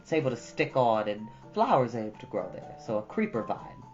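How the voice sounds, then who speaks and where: A woman with a low voice narrates as a storytime host, in an audiobook style. The sound is slightly dull, with soft guitar music underneath. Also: big pitch swings, a little fast.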